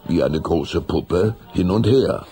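A man as a measured storybook narrator in a children's audio drama, reading a scripted story. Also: deep voice, expressive. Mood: narrating.

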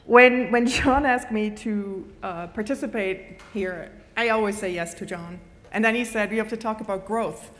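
A woman, giving a lively, self-deprecating conference talk on stage. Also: mid-range voice, moderate pace. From Switzerland. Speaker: keynote speaker. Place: large conference hall. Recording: long hall reverb.

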